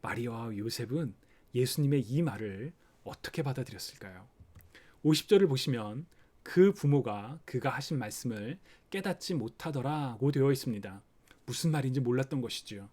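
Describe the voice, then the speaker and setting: A man preaching a sermon for an online service, explaining a scripture passage gently and acting out the worried thoughts of parents. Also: mid-range voice, expressive, moderate pace. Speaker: pastor. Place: online worship recording.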